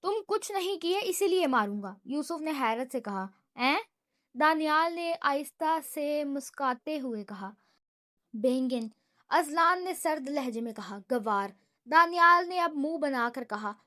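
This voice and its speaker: High-voiced woman narrating a novel. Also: few pauses. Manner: animated, voices male characters in quoted lines. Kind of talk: storybook narration with acted dialogue.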